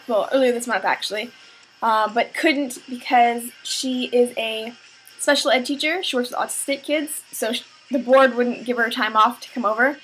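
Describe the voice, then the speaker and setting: A young Canadian woman chatting away on her vlog, her voice a little high and breathy. She rambles loosely, stopping and restarting often with plenty of fillers. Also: a bit bright, rough recording. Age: young adult. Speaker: vlogger.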